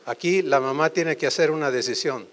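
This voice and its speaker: A man preaching a sermon, asking the congregation quick questions. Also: fairly high pitch. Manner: animated, quizzes the audience with quick questions.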